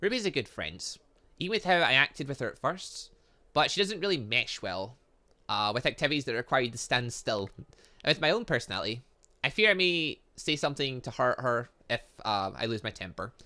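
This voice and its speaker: A man voicing a refined young heiress in a visual novel, reading her formal lines in a measured, slightly halting way. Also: medium pitch, animated, pushed and bright. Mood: earnest, wary. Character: refined, prim young heiress, earnest about her passion.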